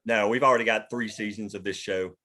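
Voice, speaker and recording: A man's voice: fairly low pitch, steady tone, fairly quick, sharp tone. A man chatting casually as he leads an informal group meeting after a script read-through. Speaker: show co-creator leading a table read meeting. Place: online video call.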